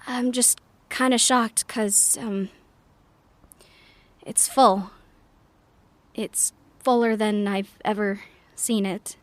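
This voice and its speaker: A woman's voice: mid-range voice, steady tone, extremely slow, long pauses, no echo. An actress playing a thoughtful young woman in an audio drama, giving a conversational, reflective walking tour of her community with hesitant asides. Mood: stunned, hesitant. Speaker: narrator character.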